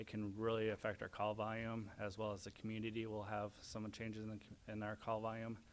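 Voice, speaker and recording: The speech runs at a fairly quick pace with hardly any pauses and a monotone, flat intonation. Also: man, fairly low pitch for a man. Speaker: ambulance service volunteer. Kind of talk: public presentation. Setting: county commission meeting. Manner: fast.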